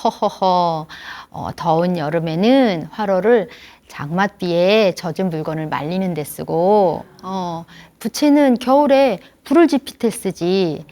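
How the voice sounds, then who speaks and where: A woman voicing a genial, wise old man who speaks calmly and kindly, in a storytelling lecture. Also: fairly low pitch, unhurried, few pauses, natural voice. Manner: chuckling, calm and kindly.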